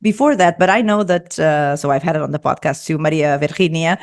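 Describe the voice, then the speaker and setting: A woman's voice: low voice, brisk. A woman hosting a podcast interview, asking questions in a chatty, easygoing way. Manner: chatty, laughs between questions. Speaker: podcast host. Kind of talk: casual interview talk.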